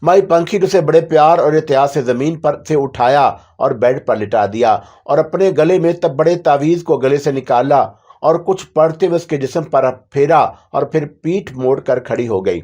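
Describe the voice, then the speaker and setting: A man's voice: on the high side, dark tone. Man narrating a horror story.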